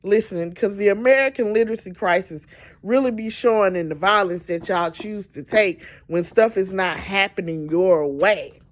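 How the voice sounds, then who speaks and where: A woman's voice: mid-range voice, moderate pace. Exasperated woman ranting. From Georgia, US. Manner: exasperated, emphatic, repeats words for stress. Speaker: amateur weather commentator. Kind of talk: casual weather update rant.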